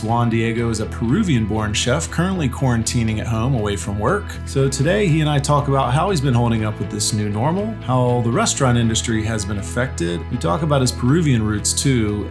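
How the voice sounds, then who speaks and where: A man hosting an online series, interviewing a chef over video chat from his home kitchen in an upbeat, friendly way. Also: medium pitch. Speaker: host. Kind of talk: casual video-chat interview and cooking lesson.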